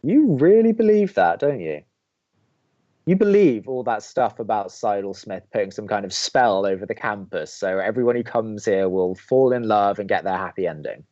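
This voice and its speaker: A man's voice: fairly low pitch, lively intonation, moderate pace, dark tone, dull audio, natural voice. A young man playing a sardonic, reluctant college radio co-host in an audio drama, with a dry, skeptical, pedantic way of talking. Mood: skeptical, defensive. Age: young adult. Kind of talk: scripted audio drama banter.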